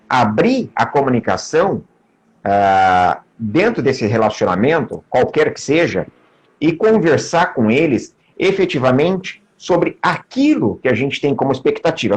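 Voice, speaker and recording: Husky-voiced Brazilian man guest. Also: mid-range voice. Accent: Brazilian Portuguese. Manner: measured, explanatory, uses everyday examples. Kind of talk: casual interview chat.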